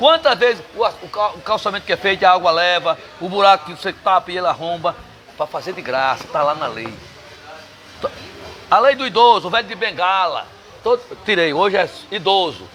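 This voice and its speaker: Against noticeable background noise, a man with a high, animated voice talks at a fairly quick pace with lively intonation and long, frequent pauses. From Brazilian Northeast (Paraíba). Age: 70s. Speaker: political activist and city council candidate. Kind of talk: interview. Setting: bar with audience.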